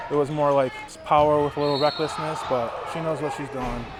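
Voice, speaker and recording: Talking at a very fast pace, a man with a fairly high pitch for a man is heard over noticeable background noise and audible room echo. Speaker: high school basketball coach. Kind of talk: interview. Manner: loud.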